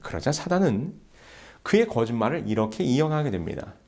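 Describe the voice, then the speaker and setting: Male pastor, measured sermon delivery, mid-pitched voice, builds to emphatic peaks. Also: big pitch swings, vocal fry, darkish tone.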